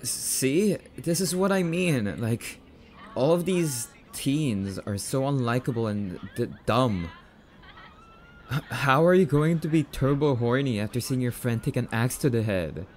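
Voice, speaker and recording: A jumpy young catboy boyfriend, acted by a man for an ASMR roleplay. He talks slowly at a medium pitch, tripping and stammering over his words, shy and a little bratty but sweet. There is clear noise behind the voice. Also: expressive, darkish tone, natural voice. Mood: nervous, critical. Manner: stammering, halting, hesitant.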